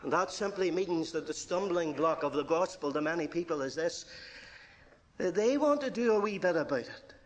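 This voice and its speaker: A man with a Northern Irish accent preaching a verse-by-verse sermon. He moves between hushed asides and ringing declarations, and he calls his listeners "friend". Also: a little high, expressive, normal speed. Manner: addresses listeners directly as friend.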